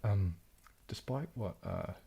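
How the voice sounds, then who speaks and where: A man with a soft New Zealand accent that can pass for British, chatting to viewers on an ASMR livestream in a hushed, breathy, often half-whispered voice, polite and halting. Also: fairly low pitch, animated. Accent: New Zealand, soft, often taken for British. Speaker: ASMR YouTuber hosting a live stream. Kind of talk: ASMR livestream chat, reading and answering viewer comments.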